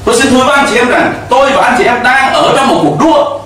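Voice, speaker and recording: A man's voice: extremely high pitch, fast, a bit bright, heavy reverb, far from the mic, a little hiss or hum. A middle-aged man preaching a sermon from a church pulpit into a handheld mic, emphatic, with call-and-response to the congregation. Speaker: pastor. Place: church stage with pulpit and cross.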